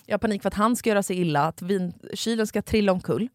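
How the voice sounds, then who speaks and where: Lively storytelling woman podcaster. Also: mid-range voice, dry recording, clean studio sound. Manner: animated storytelling, swears freely. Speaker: podcast co-host. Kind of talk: casual chat.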